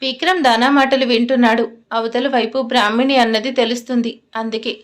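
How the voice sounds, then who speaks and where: Woman narrator, high voice, scripted audiobook reading, characters read in her own voice. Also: steady tone, brisk.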